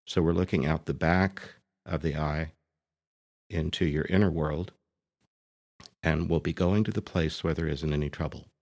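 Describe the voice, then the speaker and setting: A man speaking as a priest leading a guided meditation, gently and deliberately, pausing between short phrases. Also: very deep voice, steady tone.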